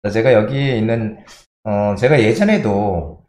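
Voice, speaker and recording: 부동산 토크쇼에서 책을 소개하며 차분하게 설명하는 남성 진행자입니다. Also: male voice, on the low side, a little mellow, reverberant. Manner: measured, explains with many fillers. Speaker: real estate show host. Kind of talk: explanatory talk show discussion.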